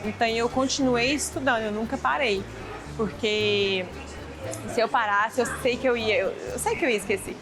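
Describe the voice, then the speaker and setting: A young Brazilian woman talks casually to an interviewer, chatty and quick to act out the lines of others. Her voice sits a little high, with clear music playing beneath. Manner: chatty, acts out quoted dialogue. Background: background music.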